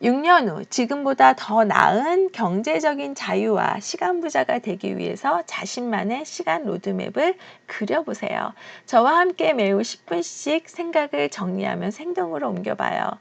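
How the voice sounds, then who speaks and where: A woman's voice: high voice, big pitch swings, normal speed, vocal fry, hardly any pauses. A woman in her fifties talking earnestly and reflectively to her viewers in a personal vlog. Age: 50s. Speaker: real estate auction instructor and YouTuber.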